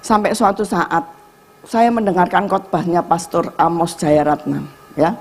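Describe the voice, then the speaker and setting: A woman's voice: lowish voice, measured pace, darkish tone. A middle-aged woman pastor, preaching a sermon and telling personal stories with strong feeling. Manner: emotional storytelling, dips into Javanese dialect.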